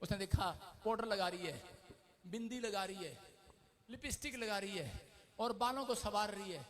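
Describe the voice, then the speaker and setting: A man preaching a fervent sermon in church, shifting between loud declarations and quiet storytelling. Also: sits high, normal speed. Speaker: pastor.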